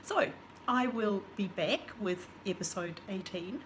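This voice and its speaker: A woman with a croaky voice, chatting enthusiastically as a vlog host. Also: medium pitch, slow pace, fairly bright tone, slight background noise. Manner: chatty, enthusiastic about plants. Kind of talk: casual vlog narration.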